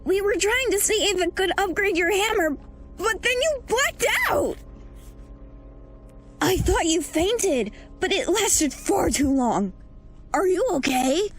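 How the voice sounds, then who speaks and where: A woman voicing a caring, worried young fox boy with a gentle manner in a comic dub. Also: very high voice, animated, slow pace, soft background music, heavily acted. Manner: gentle, concerned. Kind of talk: horror comic dub voice acting.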